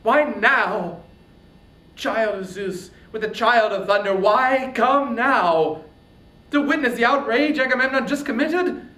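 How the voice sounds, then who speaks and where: A man's voice: very high voice, takes it slowly, pushed and bright, voice pushed up, heavily acted. A man voicing a proud, wrathful warrior in an epic tale, with impassioned, declamatory delivery. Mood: outraged. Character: proud, wrathful young male warrior, fiery and passionate. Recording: roomy echo, faint background noise.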